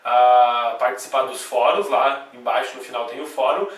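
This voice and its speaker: A man's voice: mid-range voice, a bit bright, recorded from a distance. Brazilian man teaching in an echoey room. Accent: Brazilian Portuguese. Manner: explains step by step with frequent checks like "né?" and "tá?"; spells out sounds and syllables slowly. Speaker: grammar teacher. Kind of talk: video lesson at a whiteboard. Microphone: camcorder mic away from the speaker.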